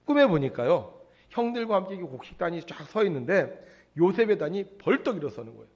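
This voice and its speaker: Animated male pastor preaching. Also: high voice, fast talker. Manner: animated storytelling, asks the congregation questions. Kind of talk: sermon.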